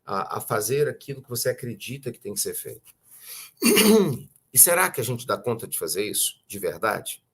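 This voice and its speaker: A man with a Brazilian accent giving a conversational spiritual talk, often asking rhetorical questions and clearing his throat. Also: mid-range voice, sing-song, normal speed, a bit bright. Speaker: spiritual teacher.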